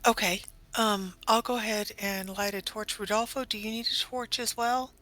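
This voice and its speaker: A woman's voice: mid-range voice, steady tone, normal speed, sharp tone, rough recording. A woman talking casually as a player in a tabletop role-playing game.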